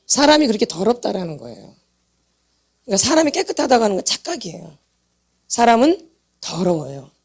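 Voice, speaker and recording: A woman's voice: on the high side, big pitch swings, fairly quick, pauses often, darkish tone, husky. A woman teaching a church healing seminar, driving her points home and quizzing the congregation for answers. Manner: emphatic, repeats points and quizzes the audience for answers. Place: church meeting hall.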